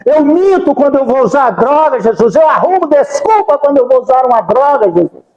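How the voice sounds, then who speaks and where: High-voiced man preaching in an echoey hall. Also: very animated, fairly quick, darkish tone, highs cut off. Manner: fervent, pleading, repeats the name of Jesus. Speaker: spiritist lecturer. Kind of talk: devotional talk with spoken prayers. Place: spiritist center hall.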